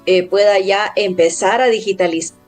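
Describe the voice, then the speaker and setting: A woman's voice: medium pitch, fairly even intonation, normal speed, soft background music. A woman hosting a radio call-in show, addressing listeners directly with promotional announcements.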